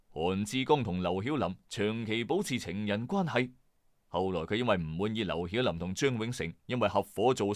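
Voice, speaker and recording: A man's voice: medium pitch, dry recording, studio quality. A man with a Hong Kong Cantonese accent narrating a scripted mystery story in a conversational, suspenseful way, as a storytelling host. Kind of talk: dramatic scripted true-crime and mystery narration.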